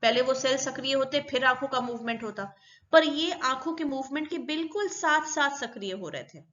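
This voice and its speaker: A woman's voice: high voice, fairly quick, fairly bright tone, lo-fi sound. Woman explaining a psychology lesson. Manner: explains step by step, repeating terms. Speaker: psychology teacher. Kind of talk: recorded lecture.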